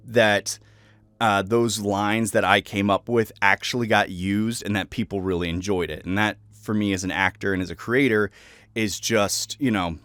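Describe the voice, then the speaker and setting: Low-voiced young man, dry close sound. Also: no echo. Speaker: voice actor. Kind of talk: casual reflective commentary on own roles.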